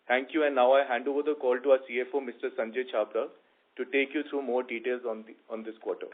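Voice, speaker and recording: A man's voice: medium pitch, level tone, quick pace. Indian man on a tinny phone line. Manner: formal, reading prepared remarks. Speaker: company executive. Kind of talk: scripted formal earnings call remarks. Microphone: conference call line.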